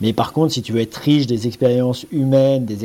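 Talking fairly quickly, a man uses ordinary pitch variation. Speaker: bicycle frame company manager. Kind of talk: podcast interview. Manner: halting, many repetitions.

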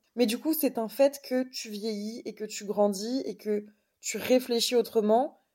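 A woman's fairly high voice, dark and mellow, very slow, with ordinary pitch variation and big swings in loudness. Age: 20s. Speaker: podcast host. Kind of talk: solo monologue podcast. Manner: casual, thinking aloud.

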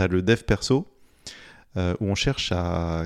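A man speaks at a very slow pace with ordinary pitch variation, recorded very cleanly against a silent background. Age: 30s. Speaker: podcast guest, longtime friend of host. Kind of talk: casual chat.

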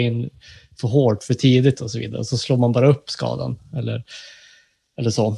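A man's medium-pitched, monotone, flat voice against a quiet background. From Norrbotten, northern Sweden. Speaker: sports psychologist, podcast host. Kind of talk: casual interview.

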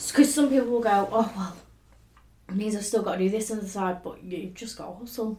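In an ordinary speaking voice, a woman talks at a fairly quick pace and a fairly high pitch, with ordinary pitch variation. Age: 20s. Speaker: aspiring actress. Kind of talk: casual chat.

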